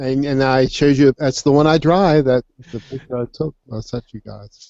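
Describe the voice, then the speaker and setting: A man mumbles in a put-on character voice at medium pitch and a moderate pace. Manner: mumbling.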